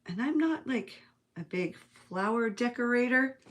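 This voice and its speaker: A woman's voice: a little high, animated, measured pace, fairly bright tone. A woman from the United States hosting a live craft stream, chatting casually as she works, musing aloud and chuckling often. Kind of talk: casual craft-along chat, reading viewer comments.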